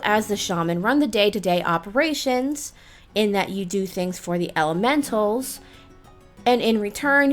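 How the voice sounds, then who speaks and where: A woman host narrating a scripted explainer in the style of a video game guide. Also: on the high side.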